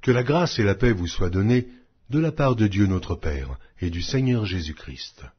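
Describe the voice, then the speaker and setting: A man giving a solemn, scripted audiobook reading of scripture in measured, declamatory phrases. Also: lowish voice, animated, slightly rough. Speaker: audiobook Bible reader. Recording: dull, lo-fi audio.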